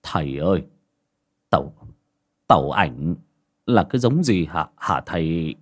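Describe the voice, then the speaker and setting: A man's voice: a bass voice, expressive, a little slow, voice pushed down, exaggerated voice. A man voicing a frightened, stammering old clan elder in a folk ghost story. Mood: timid. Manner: hesitant, stammering.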